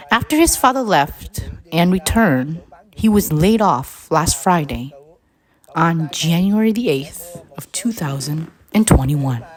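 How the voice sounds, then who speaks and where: A woman with a husky, slightly low voice reads a prepared address aloud. Her pace is very slow and deliberate. She halts between short phrases, setting each one down separately. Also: darkish tone. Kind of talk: scripted read-aloud narration.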